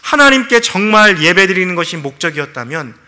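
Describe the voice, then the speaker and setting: Bright-voiced man preaching a sermon. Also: high voice, very animated, brisk. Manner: earnest preaching, addresses listeners directly, acts out quoted prayers. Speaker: pastor.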